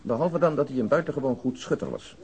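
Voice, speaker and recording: An actor playing a dryly precise police detective in a radio drama, reporting in a factual manner. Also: male voice, medium pitch, animated, fast talker, vocal fry, a little mellow, breathy edge, exaggerated voice. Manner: dry, factual. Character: matter-of-fact male detective, dryly precise.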